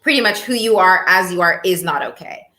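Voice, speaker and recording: Woman, bright voice, animated candid talk, echoey room. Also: fairly low pitch, a little fast. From Cape Verde and Mozambique heritage, raised in Ethiopia. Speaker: empowerment coach guest. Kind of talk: casual interview conversation.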